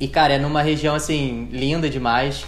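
A man talks amid noticeable background noise, and audible room echo fills the space. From Rio de Janeiro, Brazil. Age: 30s. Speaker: amateur trail runner. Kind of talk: casual interview.

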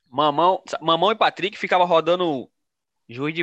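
A man with a high-pitched voice speaks in a Rio Grande do Norte accent. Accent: Northeastern Brazilian Portuguese (potiguar). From Rio Grande do Norte, Brazil (near Natal). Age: 30s. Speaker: American football player. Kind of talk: casual chat.

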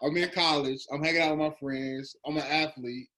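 In a Southern US accent, a man speaks at a moderate pace. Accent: Southern voice. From Georgia, Dublin near Macon. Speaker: juvenile detention supervisor. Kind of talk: casual chat.

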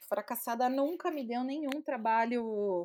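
A woman at a fairly slow pace, her intonation lively. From Brazil, São Paulo. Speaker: actress and meme creator. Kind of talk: interview.

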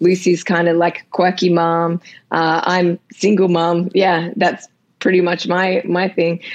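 A woman is speaking here. Her pitch is medium and her pace is moderate. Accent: Australian. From Western Australia. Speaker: comedian. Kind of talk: casual chat. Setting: video call.

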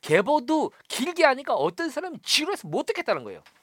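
A man speaks at a fairly quick pace. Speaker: film director. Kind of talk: casual chat. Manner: animated.

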